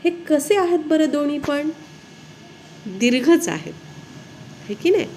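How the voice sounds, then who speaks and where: A woman teacher, giving a spelling lesson slowly and often asking her pupils questions. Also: high voice, sing-song, mellow, a little hiss or hum.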